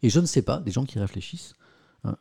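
Gravelly chatty French streamer man. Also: mid-range voice, lively intonation, quick pace, dark tone. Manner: chatty, self-mocking, addresses the chat, many fillers. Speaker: press review host and streamer. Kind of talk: casual live-stream commentary.

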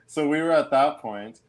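A man appearing as a guest on a podcast, chatting casually in a relaxed, amused way. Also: fairly high pitch. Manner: relaxed, amused, laughs often. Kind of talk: casual chat.

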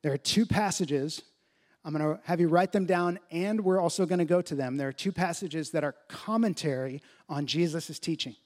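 A pastor delivers a sermon in a fairly high, bright male voice. He teaches with emphasis, pushing his pitch up to drive a point home. He also slows down deliberately over the phrases that matter most.

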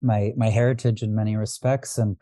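A Los Angeles man appears as a guest on an astrology podcast, chatting casually and reflectively while rambling, restarting often and using lots of fillers. His voice sits on the low side with little pitch movement, a brisk pace and a dark tone. The recording is studio quality with no echo.

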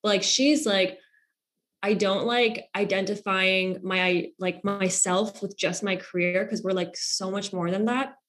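A woman's voice: medium pitch, fairly even intonation, a little slow, fairly bright tone. Young woman host, full of "like". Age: young adult. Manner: filler-heavy, lots of "like". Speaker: podcast host. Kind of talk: casual chat.

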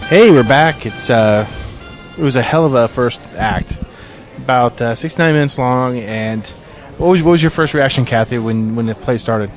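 In a theater concourse, a male podcast host casually interviews theatergoers on location, upbeat and full of fillers. He talks at a normal speed in a mid-range voice. Faint music sits behind him.

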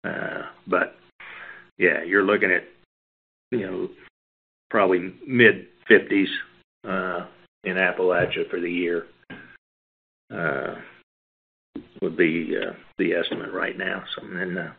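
A deep-voiced male company executive, level in tone with little pitch movement, sounds creaky and husky as he answers analyst questions off the cuff on an earnings call. His delivery is measured, hesitant, and hedging, heard through a band-limited telephone conference line with phone-quality sound.

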